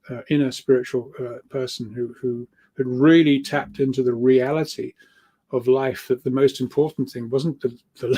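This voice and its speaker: A man with a soft-edged, mellow voice at a middling pitch talks informally, like a guest speaker explaining his research. He rambles and halts, doubling back on words as he works through each idea. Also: breathy edge. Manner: halting, repeats words, rambling, chuckles often. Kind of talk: informal spoken explanation of spiritual ideas.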